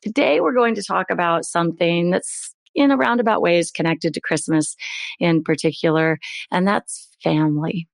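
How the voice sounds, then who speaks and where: A middle-aged woman hosting a podcast with a hoarse voice that is still recovering, chatting in an upbeat way. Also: low-pitched, no echo. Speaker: podcast host. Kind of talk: podcast intro, casual chat.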